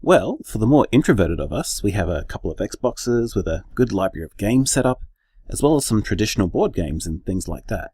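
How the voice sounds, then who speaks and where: An actor playing an earnest gay bar co-owner in a radio drama interview, with an Australian accent and an articulate, measured manner. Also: male voice, fairly low pitch, big pitch swings, darkish tone, breathy edge, dry recording, clean studio sound.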